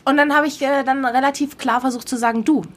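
A woman's voice: high-pitched, fast. A woman in her thirties, co-hosting a podcast and telling an anecdote in a casual chat, acting out the dialogue. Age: 30s. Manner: animated storytelling, acting out quoted dialogue. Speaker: podcast co-host.

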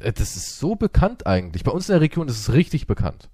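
A man chatting casually and teasingly, with an animated, expressive way of talking. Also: medium pitch, fast, breathy edge, no room sound, studio quality. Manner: teasing, playfully mocking. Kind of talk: casual banter.

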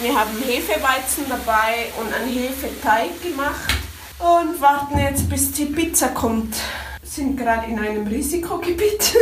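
A woman's voice: on the high side, background noise. A woman in her forties who owns a guesthouse, chatting casually in a vlog and laughing often. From Tyrol, Austria. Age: 40s. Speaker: guesthouse owner. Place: small wooden garden sauna. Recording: roomy echo, voice far from mic.

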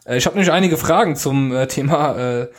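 A man's voice: a little high, quick pace. A man co-hosting a casual podcast from home, reading listener mail aloud and chatting in a teasing way. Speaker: podcast co-host.

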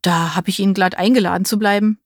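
A woman's voice: mid-range voice, steady tone, fast talker, dry recording, clean studio sound, close to an everyday voice. A woman voicing a cheerful young man, the playful boyfriend in a romance audiobook, teasing and upbeat.

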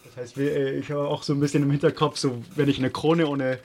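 A man with a fairly high voice chats as the player in a detective game. He thinks aloud casually, tentative and halting. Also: flat delivery, darkish tone.

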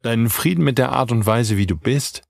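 Gravelly, gentle podcast coach. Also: male voice, medium pitch, brisk, dry recording, studio quality. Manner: acts out both sides of little dialogues, gentle and reassuring. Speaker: podcast host and self-help coach. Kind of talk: motivational podcast monologue.

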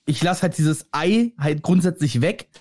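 Young man, fairly high voice, animated rambling, casual podcast chat, dry sound. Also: measured pace, no room sound. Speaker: podcast co-host.

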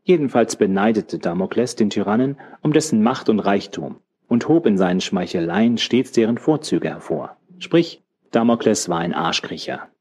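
Man voicing a learned old man, audiobook, measured lecture, mellow, low. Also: expressive, husky. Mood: lecturing. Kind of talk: audiobook character voice.

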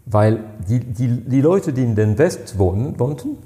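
A party president in his sixties, a native French speaker with a French accent, answers interview questions in German as a guest. His mid-range voice is warm and sing-song, and he tells stories haltingly, searching for words amid many fillers.

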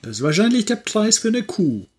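A man chatting casually as he listens to a story, curious and quick to comment on the plot. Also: high-pitched, sing-song, darkish tone. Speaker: co-host listener. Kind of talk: casual chat.

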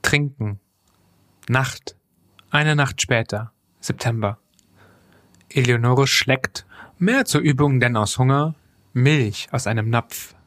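Slow man reading stage directions. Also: mid-range voice, a bit bright.

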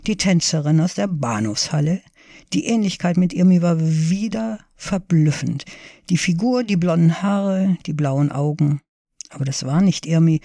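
A woman author reads her own prose at an even, measured pace, then chats a little hesitantly. The recording is close and dry, with no room echo. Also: sits low. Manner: hesitant with fillers in chat. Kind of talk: reading her own novel, then casual chat.

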